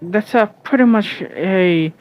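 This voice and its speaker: A man's voice: high-pitched, slow pace, soft background music. Hesitant young Filipino man, lo-fi. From Philippines. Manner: hesitant, self-correcting, many fillers and restarts. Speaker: vlogger. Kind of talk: casual rambling monologue. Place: home.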